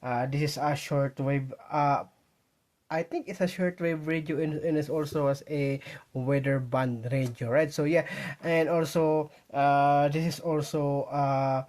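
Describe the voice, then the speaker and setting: A man with a Filipino accent talks casually to viewers in an unboxing vlog, halting and repeating himself as he thinks aloud. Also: a little high, fairly even intonation, darkish tone. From Philippines. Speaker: vlogger. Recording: noisy home recording with clicks.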